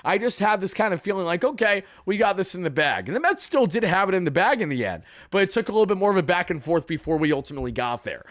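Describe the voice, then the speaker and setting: A young man, hoarse from yelling, chatting through a baseball game recap for live viewers in a casual, boastful way. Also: high voice, very animated, fast, few pauses, no room sound, clean studio sound. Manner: chatty, boastful fan banter. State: raspy from yelling. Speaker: sports fan channel host.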